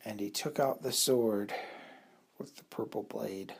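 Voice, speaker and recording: A man tells a made-up bedtime story to children. His voice is a little husky and breathy, and he takes his time, pausing as he works out each next part. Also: fairly low pitch.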